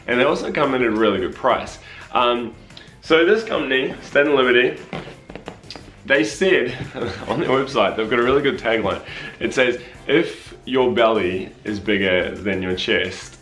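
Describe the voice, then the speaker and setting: Low-ish voiced guy in his 30s doing a chill clothing review, roomy echo, fillers everywhere. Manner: chatty, relaxed, many fillers. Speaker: vlogger. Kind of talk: casual product review. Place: living room indoors. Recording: echoey room.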